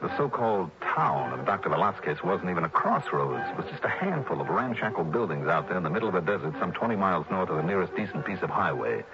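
A man's voice: deep voice, big pitch swings, fast, hardly any pauses. An actor playing a tough, wisecracking male insurance investigator, narrating in clipped, dry 1960s radio drama style. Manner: dry, clipped, hard-boiled. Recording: dull old radio recording with music.

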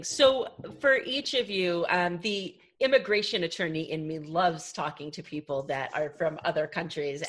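A woman hosting a podcast interview, asking friendly, chatty questions with some fillers. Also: lowish voice. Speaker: podcast host. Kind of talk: casual interview chat.

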